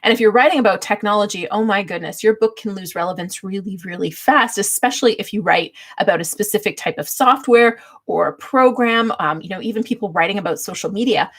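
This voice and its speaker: A woman speaks at a middling pitch in a casual, informal way. She hosts a livestream, chatting to viewers and offering advice, and she is quick to laugh. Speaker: livestream host.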